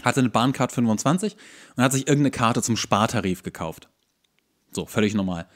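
A man's voice: mid-range voice, animated, a little fast. A man hosting a podcast, explaining and ranting in a casual, colloquial way. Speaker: podcast host.

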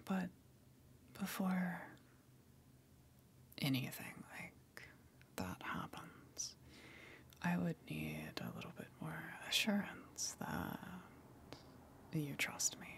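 A woman playing a gentle, coaxing eldritch tentacle monster in an ASMR roleplay, speaking hesitantly and considerately with long pauses. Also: deep voice, sing-song, creaky, heavily acted.

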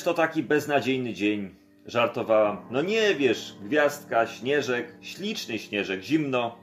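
A man reading an audiobook chapter aloud, voicing the quoted dialogue expressively in his own voice. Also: medium pitch. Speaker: audiobook narrator. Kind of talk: scripted audiobook narration.

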